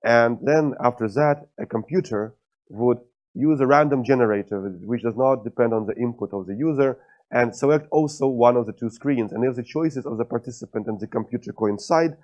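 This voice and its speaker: A man's voice: medium pitch, a little fast, darkish tone. A man with a Russian accent giving a conference lecture, with many "uh" fillers and dry humor. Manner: frequent "uh" fillers, wry humor. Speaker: scientist giving a conference talk. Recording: lo-fi dull sound.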